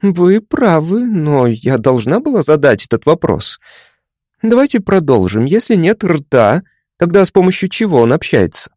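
A man's voice: on the high side, sing-song, moderate pace, darkish tone, no echo, studio quality, voice pushed up. A man voicing a polite, curious young woman psychiatrist who asks careful questions.

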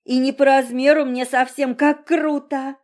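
A woman's voice: sits high, steady tone, measured pace, a little mellow, pitched above the performer's own voice. A woman voicing a brash, defiant sick young girl who talks bluntly and cheekily.

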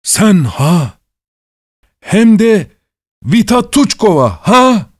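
A man doing a calm, cheerfully defiant prisoner in a storybook reading. His voice sits fairly high and swings widely in pitch as he mocks, and the sound is dry and close. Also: dry recording, full character voice. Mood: mocking. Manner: calm, mocking, unhurried. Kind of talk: audiobook character reading.

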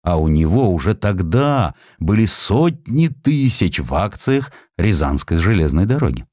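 A man's voice: sits low, sing-song, unhurried, darkish tone, no echo, clean studio sound. A man reading literary narration as an audiobook narrator, with theatrical storytelling delivery. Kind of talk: expressive scripted literary narration.

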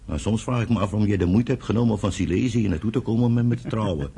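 A man's voice: lowish voice, rapid-fire, creaky, warm tone, husky, exaggerated voice. A man playing a fiery, proud young Jewish pioneer settler in a radio drama, with an emphatic, commanding way of talking. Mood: earnest, teasing. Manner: commanding, emphatic, declamatory when roused. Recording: noisy old radio play recording.

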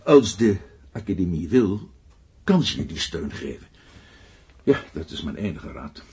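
Very husky, kindly old captain. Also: male voice, deep voice, sing-song, unhurried, darkish tone, exaggerated voice. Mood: concerned, advising. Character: kindly older captain, supportive fatherly mentor. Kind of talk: Dutch radio play acting.

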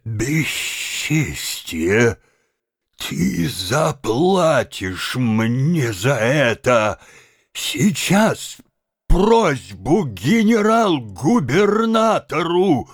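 A man voicing a blustering, loud-mouthed middle-aged bully who shouts and rants. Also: a little high, big pitch swings, normal speed, vocal fry, few pauses, dry recording, clean studio sound, voice pushed up, heavily acted. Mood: ranting. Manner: shouting, ranting.

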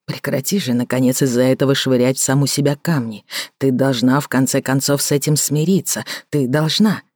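A woman narrator voicing a calm, restrained man who speaks quietly and in a measured way. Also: very deep voice, no echo, clean studio sound. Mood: restrained, soft. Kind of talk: audiobook character voicing.

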